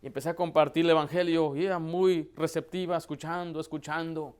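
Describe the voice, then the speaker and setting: A man, a pastor, preaching a sermon with emphatic rhetorical questions that build to loud, impassioned emphasis. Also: a little high, fairly even intonation, fairly quick, clean tone.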